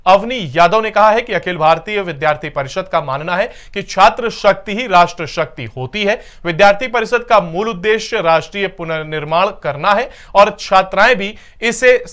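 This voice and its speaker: A man's voice: high-pitched, fairly bright tone. A man reading scripted television news as an anchor, in a formal announcer delivery with emphatic stresses.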